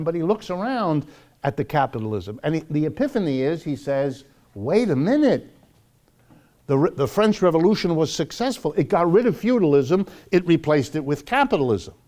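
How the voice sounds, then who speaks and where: A man's voice: medium pitch, mellow. An American man giving a live public lecture in an emphatic, dramatic manner, leaning on repetition and rhetorical questions.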